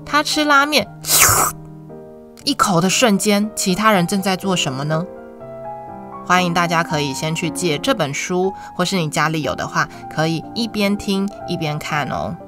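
Taiwanese woman reading to a toddler, music behind. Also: lowish voice. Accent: Taiwanese Mandarin. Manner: reading to a toddler, sing-song with drawn-out words and questions to young listeners. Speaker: children's storytelling podcast host. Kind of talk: picture-book read-aloud for young children. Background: instrumental music.

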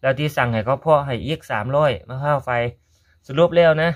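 A chatty man with a Korat Thai accent talks viewers through his gardening in a relaxed how-to vlog. He keeps addressing them as brothers and sisters, and his voice sits at an ordinary middle pitch. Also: quick pace. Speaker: gardening vlogger.

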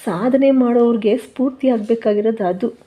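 A woman voicing a gentle young husband who coaxes and consoles his wife in a soft, preachy tone. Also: fairly high pitch, normal speed, natural voice. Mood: persuading. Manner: soothing, coaxing, preachy.

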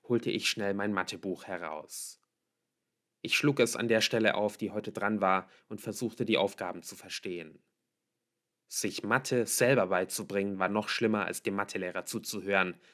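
Low-voiced male audiobook reader. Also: steady tone, normal speed, a bit bright. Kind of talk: scripted narration of a novel.

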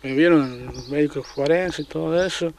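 Man, Argentine accent, fairly high pitch, halting speech with restarts, faint background noise. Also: a little mellow. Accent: Argentine Spanish. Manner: halting, many restarts and repeated words. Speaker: traffic agent interviewed. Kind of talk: casual recounting in an interview. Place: at home.

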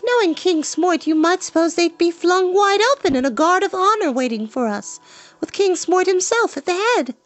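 A man's voice: extremely high pitch, expressive, normal speed, a bit bright, dry recording, soft background music, pitched above the performer's own voice. A man voicing a polite, prim young princess who questions pointedly in a storybook read-aloud. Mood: doubting, insistent.

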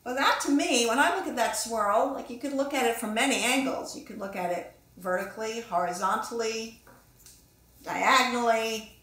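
A woman's voice: a little high, moderate pace, a bit bright. A middle-aged woman talking casually to children, encouraging them and musing aloud as she teaches and asks questions. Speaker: children's author and illustrator giving a drawing lesson. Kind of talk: casual instructional talk to children. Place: small indoor room with echo. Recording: echoey room sound.

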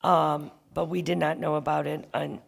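A woman on a town council makes her case at a public meeting, firm and insistent, coming back to the same point. Her voice is gravelly and husky. It is picked up by a table mic and rings with long reverb from a large auditorium. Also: low-pitched, level tone, normal speed.

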